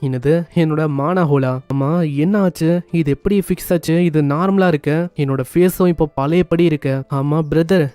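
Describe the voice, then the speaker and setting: Man doing a confused young woman mage, asking questions, slightly high. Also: moderate pace, warm tone, smooth, no echo, faint music behind, close to an everyday voice. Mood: bewildered.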